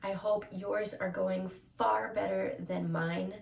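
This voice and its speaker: A young woman speaks in a personal vlog, her voice stuffy and congested. She talks candidly and hesitantly, with plenty of fillers and a gravelly fry at the ends of phrases. The room sounds echoey, with faint ambience, and she sits a bit back from the mic. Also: mid-range voice, steady tone, takes it slowly, darkish tone, distant mic, slight background noise. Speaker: vlogger.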